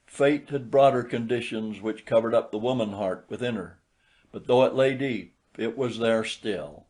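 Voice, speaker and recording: Measured male storyteller. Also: mid-range voice, a little mellow. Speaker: audiobook narrator. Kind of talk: scripted literary story narration.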